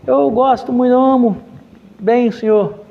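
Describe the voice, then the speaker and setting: A man's voice: extremely high pitch, fairly even intonation, normal speed, gravelly, dull audio, slight background noise, voice pushed up. A man voicing the apostle Peter as an impulsive, exaggerated disciple, blurting and pleading. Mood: eager.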